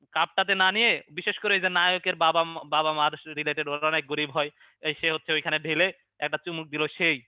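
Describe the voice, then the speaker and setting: A young man runs a biology lesson online, firing quick questions and repeating the answers as memory drills. The sound is dry and close, squeezed into a narrow phone-like band. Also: high voice, clean tone, no echo. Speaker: biology teacher. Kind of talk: online class lecture.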